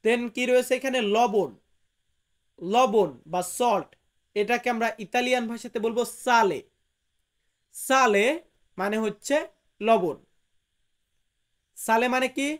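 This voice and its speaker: A man from Bangladesh, teaching a vocabulary lesson to viewers, slowly repeating each word and its meaning with emphasis. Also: very high-pitched. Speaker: language teacher.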